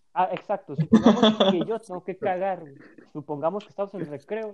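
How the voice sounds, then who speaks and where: Lively intonation at a moderate pace. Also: man. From Texas. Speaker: podcast guest. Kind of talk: casual chat.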